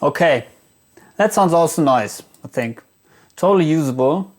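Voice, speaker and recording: A man's voice: on the high side, lively intonation, moderate pace. A man giving a casual, unscripted guitar gear demo, thinking aloud in a hesitant way.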